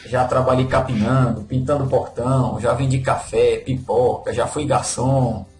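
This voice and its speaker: A man with a Ceará accent, telling his own story as a podcast guest, easygoing and modest. His voice rings in an echoey room, with soft music faint underneath. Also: medium pitch, unhurried. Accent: Northeastern Brazilian (Ceará). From Fortaleza, Brazil. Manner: relaxed, modest, with frequent "né?" tags. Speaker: interview guest. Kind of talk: casual conversational storytelling.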